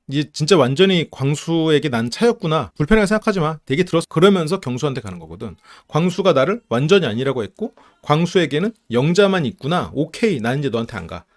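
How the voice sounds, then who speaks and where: Fast-talking man giving casual commentary. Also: mid-range voice. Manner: animated, acts out quoted lines in quick bursts. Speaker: psychology channel host. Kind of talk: casual commentary on a reality show.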